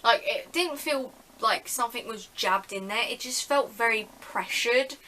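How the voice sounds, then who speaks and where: A woman's voice: a little high, a little slow, bright, forceful tone, a little hiss or hum, poor audio. A woman telling a story in a casual vlog, chatty and full of "like". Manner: chatty, heavy use of "like", acts out dialogue. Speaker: vlogger.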